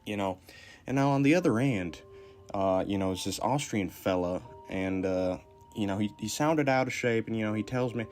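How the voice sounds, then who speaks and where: A man's voice: on the low side, normal speed, a little mellow, faint music behind, natural voice. A man playing a folksy Southern arms dealer with a Southern US accent, rambling through a comic tall tale. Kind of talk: comic in-character audio message.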